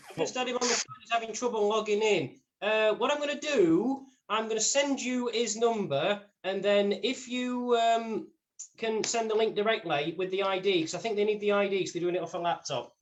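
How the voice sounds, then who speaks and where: A man's voice: high-pitched, normal speed. A man co-hosting, talking casually and off the cuff. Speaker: podcast co-host. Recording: faint background noise, clicks.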